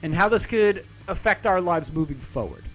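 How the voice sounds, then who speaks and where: A man's voice: high voice, animated, moderate pace, faint music behind. A man hosting a podcast, reading a news article aloud with casual, profane, rambling asides and frequent self-corrections. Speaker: podcast host.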